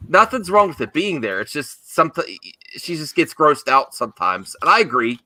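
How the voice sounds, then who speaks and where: A man's voice: a little high, big pitch swings, moderate pace, sharp tone, no room sound. A man hosting a casual panel discussion, insistently repeating himself to get his point across. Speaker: host of a movie discussion show.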